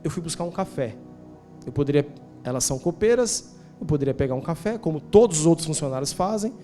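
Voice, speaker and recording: High-voiced Brazilian pastor preaching. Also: male voice, animated, fast, mellow, faint music behind. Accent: Brazilian Portuguese. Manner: conversational storytelling with rhetorical questions, slangy asides. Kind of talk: sermon. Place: church.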